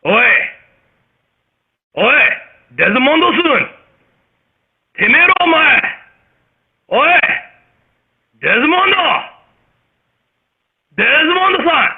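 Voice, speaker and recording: A man's voice: very high-pitched, big pitch swings, very slow, pauses often, voice pushed up, exaggerated voice. A man voicing a menacing Japanese Yakuza debt collector in a story, barking aggressively with a Japanese accent. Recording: tinny phone-line radio sound.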